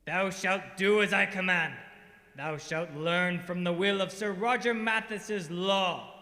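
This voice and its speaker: In long, echoing reverb, a stern ghost of a colonial governor. The voice is high for a male, very sharp and forceful, and declaims slow commands like old radio melodrama. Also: fairly even intonation. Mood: wrathful, commanding.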